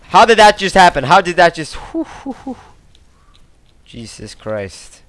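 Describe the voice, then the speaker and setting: A young man from Sweden giving live gameplay commentary, excitable and swearing often, with sudden outbursts. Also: high voice, measured pace, dry recording.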